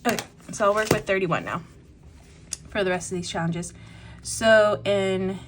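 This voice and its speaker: A young woman talks through her weekly budget in a loose, rambling way, pausing on fillers as she decides each amount. Her voice sounds a little congested from a lingering cough. Clear clicks and tapping sit behind her. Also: medium pitch, fairly even intonation, background noise. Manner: chatty, thinks aloud with many fillers. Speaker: budgeting vlogger. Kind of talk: casual voice-over while cash stuffing.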